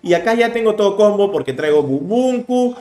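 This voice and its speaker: Animated Peruvian man explaining card plays. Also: high voice, reverberant. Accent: Peruvian Spanish. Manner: animated, explaining plays rapidly with bursts of emphasis. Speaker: card game streamer. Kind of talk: casual gameplay commentary. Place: indoor room, webcam overlay.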